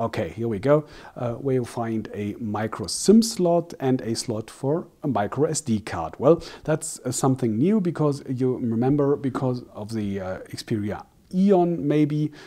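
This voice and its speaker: A man's dark, mellow voice with a non-native accent, lively intonation and a fairly slow pace, in a very clean recording with a silent background. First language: not English. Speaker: tech reviewer. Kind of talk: product review. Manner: halting, many fillers.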